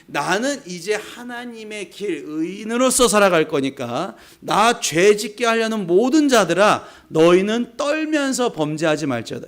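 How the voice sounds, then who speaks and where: Male pastor from South Korea, high voice, emphatic sermon delivery, answers his own questions. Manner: emphatic, asks the congregation questions and answers them himself; acts out short quoted voices of God and of tempted people.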